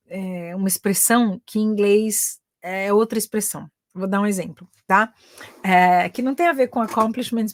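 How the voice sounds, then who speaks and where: A woman's voice: mid-range voice, dry recording, clean studio sound. A Brazilian woman, a native Portuguese speaker, teaching English in a chatty live online class and switching between both languages.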